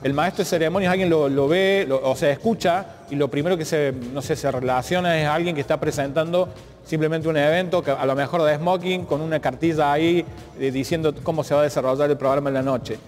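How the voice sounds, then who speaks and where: A man with a Cordobese Argentine accent, interviewing conversationally in a halting, thoughtful way, repeating words as he builds his questions. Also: fairly high pitch. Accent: Cordobese Argentine Spanish. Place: large art gallery, indoors. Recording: long hall reverb, music underneath.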